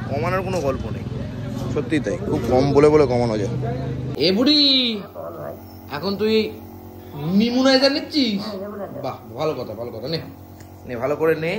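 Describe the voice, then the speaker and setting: A young man, talking through a casual home food vlog and teasing his family. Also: on the high side. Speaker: food vlogger.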